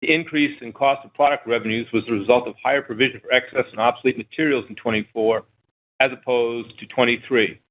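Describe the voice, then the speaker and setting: A man's voice: medium pitch, steady tone, quick pace, slight background noise. A man serving as chief financial officer formally reads scripted financial results over a conference phone line, in a factual manner. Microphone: phone conference call. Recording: thin narrow-band phone line.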